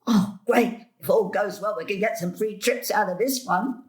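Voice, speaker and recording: Woman playing an old grandmother, mid-pitched voice, querulous, blunt, muddled, indignant, stage drama. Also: normal speed, a little mellow, close to an everyday voice. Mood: blunt, scornful. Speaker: stage actor. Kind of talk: dramatic dialogue in a play.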